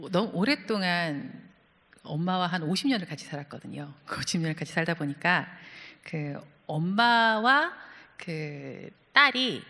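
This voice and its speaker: A woman's voice: on the low side, fairly bright tone. A woman pastor preaching a sermon, telling stories and asking the congregation questions. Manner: storytelling, asks the congregation questions. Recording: church hall reverb.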